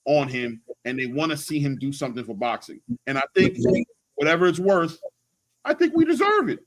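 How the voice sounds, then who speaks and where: A man with a fairly high-pitched voice hosts a casual boxing talk show. He argues his opinions emphatically in loose slang, often repeating words to hammer a point. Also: a bit bright, poor audio. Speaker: host of a boxing channel.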